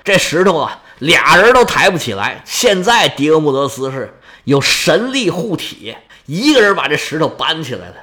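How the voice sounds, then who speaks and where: A man's voice: high-pitched, a bit bright. A man telling an epic tale in dramatic oral storytelling style, vivid and chatty with asides to listeners.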